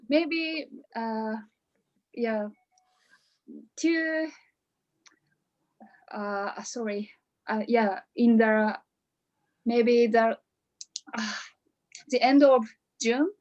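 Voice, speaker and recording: Slow, hesitant Japanese-accented woman. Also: fairly high pitch, a little mellow, lo-fi sound. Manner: hesitant, many restarts and fillers. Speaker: coaching graduate. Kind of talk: graduation speech.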